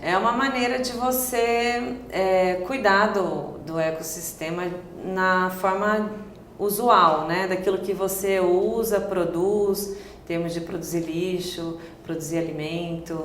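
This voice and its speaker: A woman's voice: lowish voice, steady tone, measured pace, roomy sound, a little hiss or hum. A woman restaurant owner as an interview guest, answering hesitantly and searching for words with many fillers.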